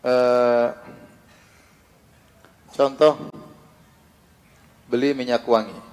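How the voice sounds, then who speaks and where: An Islamic teacher with a steady, mid-range, slightly mellow voice lectures extremely slowly, reciting Arabic verses between plain explanations. He asks the audience rhetorical questions and answers them himself, recorded in a reverberant hall.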